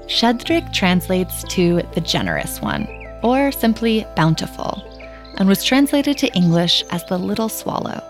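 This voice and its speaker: Woman, podcast host, scripted narration, measured delivery, music underneath. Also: medium pitch, wildly swooping pitch. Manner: polished, measured storytelling delivery.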